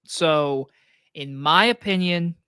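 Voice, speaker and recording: Hoarse man streaming from his desk. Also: fairly high pitch, takes it slowly, bright, forceful tone, no echo. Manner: loose, rambling talk with many likes and restarts. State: hoarse, scratchy throat. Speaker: movie reviewer and channel host. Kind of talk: casual live stream Q&A. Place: home desk setup. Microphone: desk microphone on a boom arm.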